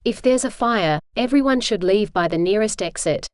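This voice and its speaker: A woman reads standalone practice sentences for a dictation exercise. Her voice is smooth and clear at a middling pitch, measured and neutral in delivery. The sound is close and very dry. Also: lively intonation, no echo. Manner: measured, neutral, careful enunciation. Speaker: test practice sentence reader. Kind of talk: scripted read-aloud dictation practice.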